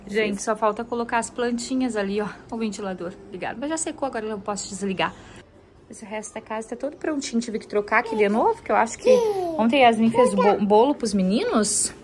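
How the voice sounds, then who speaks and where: A woman's voice: a little high, expressive, a little fast, a crowd in the background. Chatty Brazilian woman vlogging chores. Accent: Brazilian Portuguese. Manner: chatty and homey, often breaks into fond baby talk with her daughter. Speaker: homemaker vlogger. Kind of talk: casual chat to viewers while doing chores. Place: at home, indoors.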